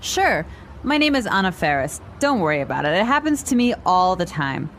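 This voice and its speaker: A woman playing a friendly, easygoing businesswoman in a scripted language-lesson dialogue, with a standard American accent and cheerful, clear enunciation. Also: medium pitch, big pitch swings, slow, a bit bright, a little hiss or hum. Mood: friendly, upbeat. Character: friendly, easygoing young businesswoman meeting an acquaintance.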